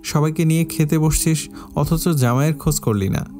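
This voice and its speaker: A woman's voice: low voice, normal speed, mellow, faint music behind, voice pushed up, lightly acted. A man voicing a middle-aged mother who reproaches her daughter, in an audio storybook. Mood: reproachful.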